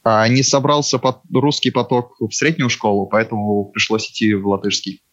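A man's voice: lowish voice, little pitch movement, moderate pace, a bit bright, no echo, dull audio. A young man with a Latgalian Latvian accent, a university student guest who answers hesitantly with fillers and restarts. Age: young adult. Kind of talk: casual talk.

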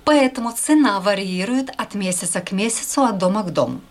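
Woman reporter with lively intonation. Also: mid-range voice, a little fast. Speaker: radio news reporter. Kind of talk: scripted news report.

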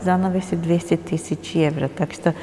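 A woman's voice: on the low side, steady tone, moderate pace, warm tone. Woman guide with cathedral hall echo. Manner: chatty, explaining with small hesitations. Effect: long cathedral-like hall echo. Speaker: museum guide. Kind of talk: guided tour explanation. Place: large ballroom of a castle, indoors. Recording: echoey big hall reverb.

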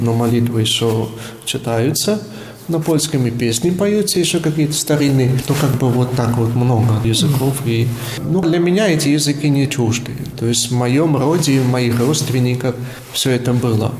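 Young priest talking in an echoey church. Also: male voice, medium pitch, moderate pace, a little mellow. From Latvia. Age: young adult. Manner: explanatory, searching for words. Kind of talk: interview conversation. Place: inside a church. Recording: echoey church with faint noise.

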